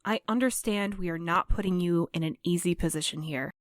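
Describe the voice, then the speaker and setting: A woman's voice: fairly low pitch, brisk, dry recording, studio quality, close to an everyday voice. A woman playing an earnest, reserved courier in an audio drama, choosing her words carefully and diplomatically. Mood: earnest, pleading. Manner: careful, formal, conciliatory. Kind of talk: audio fiction acting.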